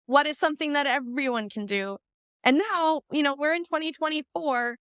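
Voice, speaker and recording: A woman podcast host from Iceland, chatting in a lively, talkative way with lots of asides. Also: high-pitched, smooth, no echo. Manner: chatty, lively, talks through ideas with asides. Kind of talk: casual conversation.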